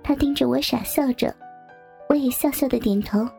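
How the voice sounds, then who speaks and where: A woman narrating a first-person story softly, with music behind. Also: high voice, moderate pace, vocal fry.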